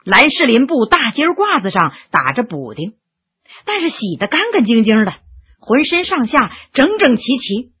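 A woman storyteller reading a story aloud in an expressive, unhurried way. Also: fairly high pitch, husky, highs cut off. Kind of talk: scripted story narration.

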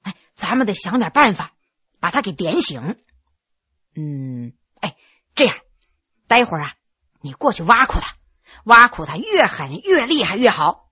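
A woman voicing a clever young male scholar who speaks in a lowered, earnest voice. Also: very animated, unhurried, sharp tone, slightly rough, no room sound, lo-fi sound, exaggerated voice. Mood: coaxing.

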